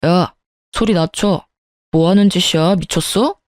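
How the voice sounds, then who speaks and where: A woman's voice: lowish voice, unhurried, no echo, studio quality, lightly acted. A woman voicing a dismissive, irritable husband with curt, scornful retorts in a scripted story reading.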